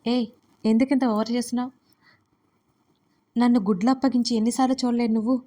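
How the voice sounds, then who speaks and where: A woman's voice: a little high, fairly even intonation, fast, warm tone, natural voice. A woman voicing a possessive, domineering young man in an audiobook story, speaking in a smug, threatening way. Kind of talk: audiobook dialogue reading.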